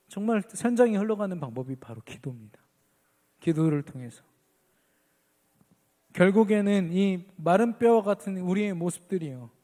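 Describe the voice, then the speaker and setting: A man's voice: high-pitched, mellow, in a large hall. A man preaching an earnest sermon as pastor at a midweek church service, lifting his voice on key phrases.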